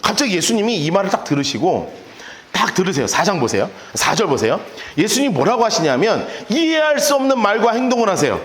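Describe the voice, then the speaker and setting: A man preaching a casual, playful sermon as pastor, acting out the people in his stories with quick little voices. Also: high voice, sing-song, echoey room. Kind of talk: lively sermon. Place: church sanctuary.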